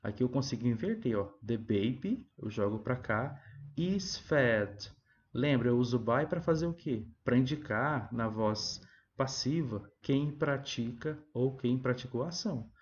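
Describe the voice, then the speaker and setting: Teacher explaining grammar step by step. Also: male voice, mid-range voice, lively intonation, a little slow, lo-fi sound. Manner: explains step by step, asks himself questions and answers them; keeps adding "tá?" and "ó". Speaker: English teacher. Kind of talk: recorded classroom review lesson.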